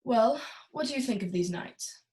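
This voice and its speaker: A woman's voice: a little high, expressive, moderate pace, warm tone, close to an everyday voice. A woman playing a courtly, greedy and obsessive middle-aged crime boss in a noir radio play, speaking in a formal, grandiose way. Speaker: voice actor. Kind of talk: 1940s film noir radio acting.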